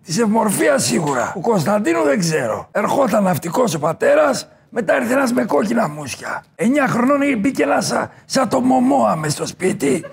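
A swaggering self-crowned king of the nightlife, bragging loudly in a very high, gravelly voice. He shouts his punchlines with brash confidence. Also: sing-song, few pauses, exaggerated voice. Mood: boastful. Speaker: comic guest character. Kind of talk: comedy sketch interview.

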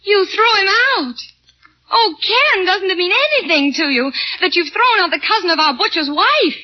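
A wheedling young wife in an old radio play. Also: female voice, extremely high pitch, sing-song, normal speed. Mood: dramatic. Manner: wheedling, dramatic, swings to hushed. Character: scheming excitable young wife Helen. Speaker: radio drama actress. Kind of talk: 1940s radio acting. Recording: dull old radio recording.

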